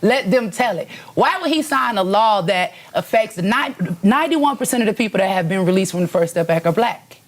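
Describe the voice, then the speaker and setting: A woman's voice: medium pitch, lively intonation, brisk, hardly any pauses. Insistent woman arguing on a panel. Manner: insistent, argumentative, repeats points. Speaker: guest panelist. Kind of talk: heated panel debate.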